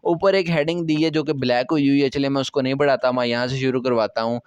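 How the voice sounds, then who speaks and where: A man's voice: medium pitch, steady tone, fast, clear, resonant tone, no room sound, lo-fi sound. A man with an Urdu accent explaining a textbook language lesson, patient and repetitive, often checking that his listeners follow. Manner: patient, repeats key words, checks with "theek hai". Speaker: Korean language teacher.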